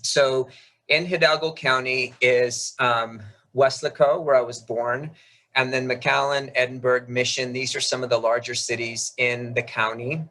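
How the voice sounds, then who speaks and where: A man in his fifties from South Texas whose first language is Spanish. His voice is bright and forward, at an ordinary male pitch. He presents informally over a video call, explaining things in a conversational, somewhat halting way. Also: level tone, poor audio. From South Texas, United States. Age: 50s. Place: video call while screen sharing.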